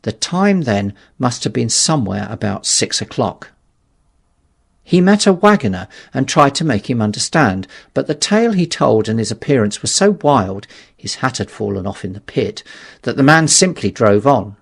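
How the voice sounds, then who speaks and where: Gravelly, husky male audiobook narrator. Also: mid-range voice, big pitch swings, normal speed. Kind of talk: scripted literary narration.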